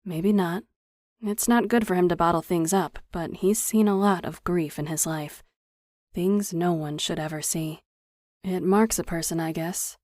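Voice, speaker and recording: Picture a wise older mountain aunt, as a woman reading puts her on, unhurried and plainspoken in a storybook, her voice sitting low and close. The sound is dry, with no room around it. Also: steady tone, a little mellow, no room sound, lightly acted. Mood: gentle.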